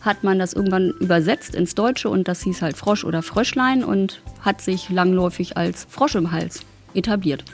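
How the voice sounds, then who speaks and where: Biology teacher explaining plainly. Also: female voice, lowish voice, normal speed, faint music behind. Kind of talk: interview answers.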